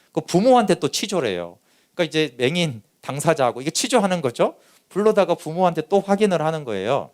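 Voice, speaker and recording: A male pastor preaching a Sunday sermon, reading scripture and acting out the voices of its figures. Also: fairly high pitch. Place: church sanctuary.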